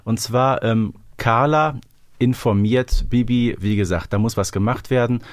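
Man podcaster, dry mid-pitched voice. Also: a little slow, dry recording. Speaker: podcast co-host. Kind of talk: casual chat recapping an episode.

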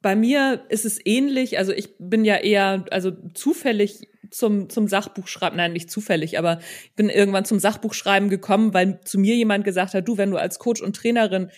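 A woman's voice: medium pitch, fairly even intonation, a little fast. A middle-aged woman hosting a casual interview, chatting about her own path and often checking back with her guest. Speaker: interview host, coach and author.

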